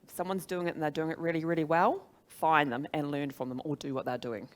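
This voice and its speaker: Her voice sits low, with fairly even intonation and a quick pace. She's a middle-aged New Zealander, a social media trainer and speaker, presenting to a live audience in a conversational, emphatic way and regularly questioning her listeners.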